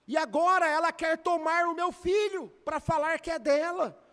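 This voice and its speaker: A man's voice: extremely high pitch, normal speed. A man voicing a desperate pleading young mother. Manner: pleading, sobbing tone, rising to loud cries. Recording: echoey church hall.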